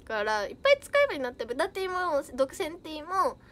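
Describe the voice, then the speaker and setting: A woman's voice: high-pitched, sing-song, quick pace. A young woman idol chatting casually on a livestream, reading out viewer comments with bubbly giggles.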